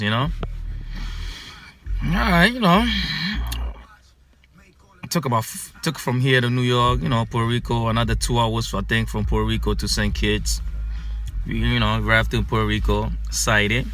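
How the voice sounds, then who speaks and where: Animated man telling a story from his car. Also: fairly low pitch. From Ghana. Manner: animated, repetitive storytelling with many fillers. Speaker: vlogger. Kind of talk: casual storytelling. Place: inside a car at night. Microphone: phone camera held close.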